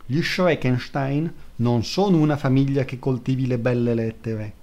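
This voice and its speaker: A man reading aloud as a courtly, persuasive male court painter who speaks slowly and flatteringly. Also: mid-range voice, lightly acted. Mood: measured. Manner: slow, smooth and flattering.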